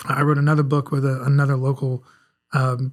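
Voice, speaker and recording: A somewhat breathy voice with an American accent moves at a fairly quick pace on a very clean recording with a silent background. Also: man. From US South, South Carolina. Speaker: children's book author. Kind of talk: casual chat. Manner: halting.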